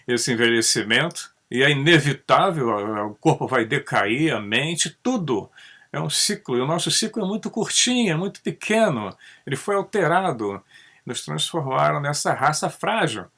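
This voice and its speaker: A man from Brazil, talking through ideas in a casual monologue, tagging sentences with a questioning "né" and swinging his pitch up and down. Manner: conversational, tags sentences with "né?"; animated, pitch rising and dropping often. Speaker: channel host.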